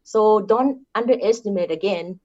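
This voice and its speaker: A woman's voice: medium pitch, normal speed, a little mellow. Thai-accented woman, muffled sound. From Thailand. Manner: earnest, repeats points with tag questions. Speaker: guest. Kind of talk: interview, sharing career advice.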